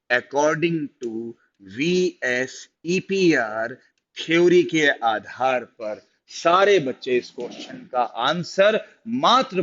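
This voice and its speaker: A man's voice: mid-range voice, a bit bright, muffled recording. A man with an Indian accent teaching chemistry in a live online class, chatty and encouraging, repeating phrases in a sing-song way. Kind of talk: live online class, reading out student replies.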